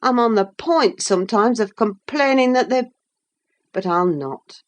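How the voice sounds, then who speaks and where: A woman reading aloud who voices a sullen, resentful young man in a low, unhurried voice close to her own. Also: expressive.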